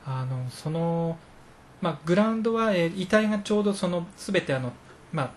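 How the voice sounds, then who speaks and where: A man's voice: high voice, expressive, a little hiss or hum. A man recounting his field reporting in conversation, hesitant and full of fillers and restarts. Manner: halting, many fillers and restarts. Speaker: guest reporter.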